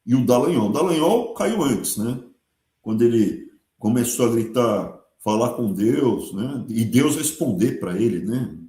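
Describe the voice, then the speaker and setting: Brazilian male host, sarcastic political commentary, warm tone, roomy echo. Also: medium pitch, a little slow. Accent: Brazilian Portuguese. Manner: sarcastic, lively, talks with colloquial asides. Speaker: channel host. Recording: echoey room.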